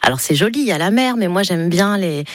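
A woman's voice: lowish voice, lively intonation, quick pace, no echo. A woman from Nice in her thirties, speaking without an accent, chatting as a radio guest with a ready laugh and many hesitations. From Nice, France. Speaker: actress, guest. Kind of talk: radio interview.

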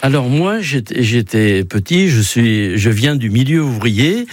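A man's voice: medium pitch, animated, measured pace, no room sound. A middle-aged man from Savoie, a novelist guest on a radio interview, speaking thoughtfully with many hesitations. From France (Savoie). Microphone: studio microphone.

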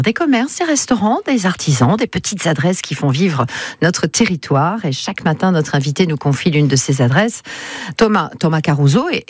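Female radio host, breathy, dry studio tone, friendly with questions. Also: deep voice, no room sound. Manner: friendly, guiding questions with fillers. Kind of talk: morning radio interview.

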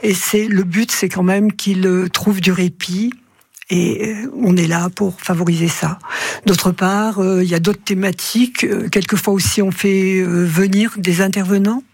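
Slow, husky-voiced woman psychologist. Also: medium pitch, steady tone. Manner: hesitant, many fillers and restarts. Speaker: psychologist at caregiver respite group. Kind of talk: radio interview guest.

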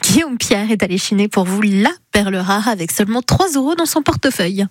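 A woman presenting scripted radio links in a smooth, upbeat way from a studio. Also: medium pitch, lively intonation, fairly quick, no room sound.

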